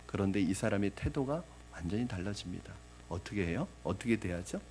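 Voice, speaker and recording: A man's voice: fairly low pitch, lively intonation, a little fast, darkish tone, a little hiss or hum. Man preaching with rhetorical questions. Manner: addresses the congregation with rhetorical questions; acts out the parable's voices dramatically. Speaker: pastor. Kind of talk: sermon.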